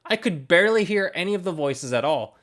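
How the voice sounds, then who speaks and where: A man's voice: high voice, animated, a little fast, fairly bright tone. A man narrating a scripted video game review as a voice-over, explaining his criticisms with emphasis. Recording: voice-over with background music. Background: ambient background game music.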